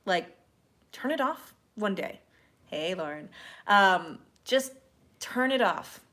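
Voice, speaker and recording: A woman's voice: medium pitch, expressive, slow pace, a bit bright. A woman co-hosting a casual, slightly tipsy question-and-answer stream, chatty and playful with lots of fillers. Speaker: podcast co-host answering listener questions.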